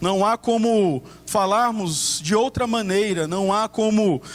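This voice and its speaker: The voice carries a strong Ceará accent. Its pitch variation is ordinary. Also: man. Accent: Ceará accent, strong again. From Ceará, Brazil (Fortaleza). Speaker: pastor. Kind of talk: sermon. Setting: church.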